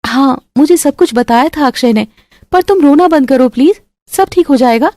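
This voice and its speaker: A woman voicing a gentle, kind young daughter-in-law who speaks softly and soothingly. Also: high voice, normal speed, no echo, studio quality, pitched above the performer's own voice, close to an everyday voice.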